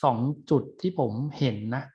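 Chatty male lecturer, muffled recording. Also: moderate pace. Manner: relaxed, chatty teaching with many fillers and restarts. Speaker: university lecturer.

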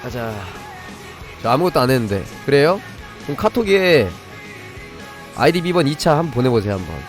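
A man's voice: mid-range voice, sing-song, brisk. Man, game stream host, very varied intonation, step-by-step commentary, talking to viewers, faint background music. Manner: demonstrates step by step while breaking off to address viewers. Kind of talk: live gaming commentary and review, chatting with viewers.

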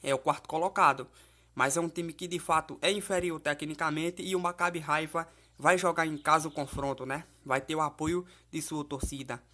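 A man's voice: fairly high pitch, steady tone, moderate pace, bright, forceful tone. Chatty Portuguese-speaking man giving football bets. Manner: chatty, fillers like "né?" and "beleza?", addresses viewers as "família" and "galera". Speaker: football betting tipster. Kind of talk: casual betting-tips commentary over app screenshots. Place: voice-over, not recorded in the pictured place.

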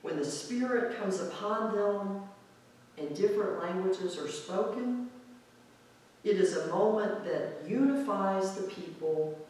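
A male pastor giving a reflective, conversational sermon in a church sanctuary, drawing out key words slowly for emphasis. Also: high voice, a little mellow. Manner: reflective, conversational preaching with slow drawn-out emphasis. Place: church sanctuary with pipe organ, indoors. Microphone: far camera at back of sanctuary. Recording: very echoey church hall from far off.

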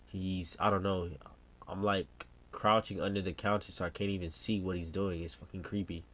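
A man's voice: sits low, little pitch movement, normal speed, a bit bright. An American man voicing an uneasy gas station worker in a horror game, hesitant and rambling as he calls for help. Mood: spooked, rambling. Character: uneasy, spooked young male gas station worker calling emergency line. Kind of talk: reading game subtitles as dialogue.

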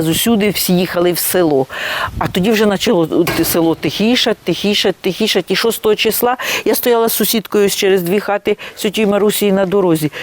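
A woman's voice: mid-range voice, a little mellow, no echo. Older village woman, dry close sound. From Kyiv region, Ukraine. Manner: repetitive, hesitant retelling, restarting sentences. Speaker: interviewee. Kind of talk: documentary testimony.

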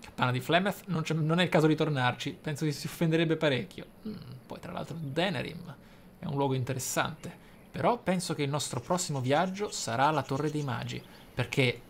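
A man with a medium-pitched voice hosts a role-playing let's play, thinking out loud and throwing in theatrical interjections. Game music plays behind him, and there's a little hiss or hum.

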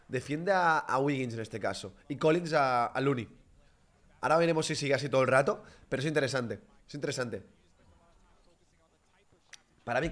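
A young man giving excitable live reaction commentary on a basketball game, bursting into shouts. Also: medium pitch.

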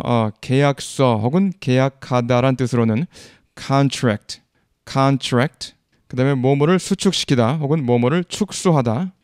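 Clear-voiced Korean teacher drilling English words. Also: male voice, medium pitch, a little mellow, dry recording, clean studio sound. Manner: repeats words slowly for practice. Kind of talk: vocabulary lesson.

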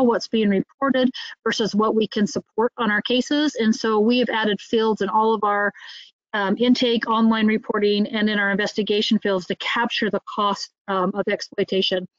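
A woman's voice: fairly high pitch, steady tone, fairly quick, no echo. A woman giving an informal progress report as a state agency representative in an online meeting. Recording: dry, slightly dull online meeting audio.

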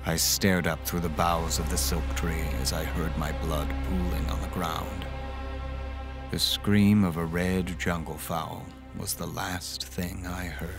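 A doomed man tells his own horror story in a low voice. The delivery is grave and measured, with music underneath. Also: little pitch movement. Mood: sad, fading. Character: doomed man recounting his death at a vampire's hands. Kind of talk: dramatic first-person horror narration.

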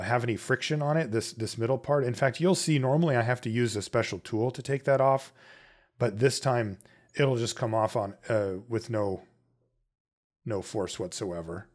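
Hosting a watch repair channel, a man gives relaxed step-by-step tutorial narration, talking each stage through conversationally as if musing aloud. His voice is medium-pitched and darkish, at normal speed.

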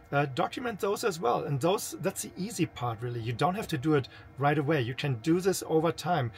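Man explaining in non-native English accent. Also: fairly high pitch. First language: not English. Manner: conversational, explanatory. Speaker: senior IT manager giving career advice. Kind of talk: informal instructional talk to camera. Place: small camper interior.

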